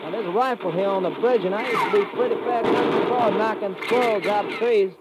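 An actor playing a folksy, easygoing sailor with a Southern American drawl in a 1950s radio adventure. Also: male voice, high voice, brisk, natural voice. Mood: eager. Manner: drawling, laid-back, folksy. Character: sleepy, folksy young Tennessee sailor, easygoing sharpshooter. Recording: very noisy old radio recording.

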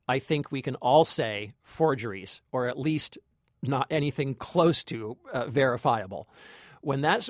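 A man's voice: fairly high pitch, no room sound, clean studio sound. A man co-hosting a film review podcast, talking conversationally and reflectively, repeating phrases for emphasis. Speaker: podcast co-host, film critic.

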